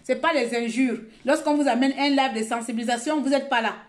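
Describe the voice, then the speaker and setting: A woman's voice: high voice, steady tone, fairly quick. A woman from Gabon doing a casual phone live stream, talking at length and scolding her viewers in a repetitive, chatty way. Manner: talkative, scolding and repetitive, mixing sermon and chat.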